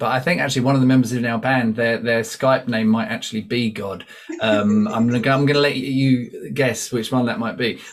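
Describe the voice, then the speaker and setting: Fairly quick speech with ordinary pitch variation amid noticeable background noise. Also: man. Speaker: singer. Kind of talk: interview answer. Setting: remote video call from small studio.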